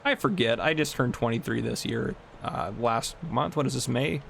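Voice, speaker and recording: Young man, twenties, gravelly voice, chatty rambling gameplay commentary, faint background noise. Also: mid-range voice, normal speed, a bit bright. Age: 20s. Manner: chatty, rambling, laughs often. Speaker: gaming channel host. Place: home room.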